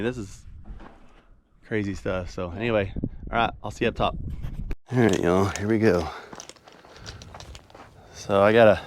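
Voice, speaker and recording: Nasal-sounding low-voiced man. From Oklahoma. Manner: rambling, folksy, self-deprecating. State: nasal from a cold. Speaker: windmill repairman. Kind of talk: casual vlog narration. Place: outdoors at a windmill. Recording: noisy outdoor recording.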